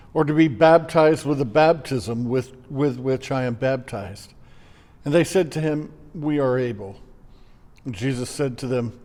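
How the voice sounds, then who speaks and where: In a long, echoing reverb, a man with a mid-pitched voice reads scripture as a pastor. His phrasing is solemn, measured and deliberate. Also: darkish tone.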